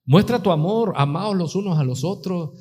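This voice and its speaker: A man's voice: sits high, expressive, moderate pace, dark tone. A male pastor with a Mexican Spanish accent, preaching a live sermon in church with fervent rhetorical questions and acted-out quotes. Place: church sanctuary.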